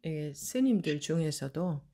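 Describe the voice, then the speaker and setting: A woman teaching as a Buddhist meditation teacher, answering a question calmly and explaining at length. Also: low-pitched, a little slow. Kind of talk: dharma Q&A answer.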